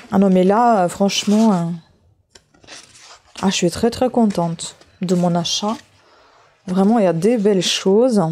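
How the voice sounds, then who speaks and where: Woman, Russian accent, native Russian speaker, mellow soft-edged tone, casual craft vlog chat, hesitant, thinking aloud. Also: mid-range voice. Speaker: craft vlogger. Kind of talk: casual unboxing chat while leafing through a book.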